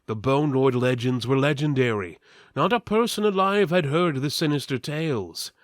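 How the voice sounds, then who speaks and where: A man's voice: medium pitch, normal speed, dry recording, clean studio sound. A man giving a portentous, mock-serious dramatic reading of an epic fantasy story. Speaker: narrator, reader.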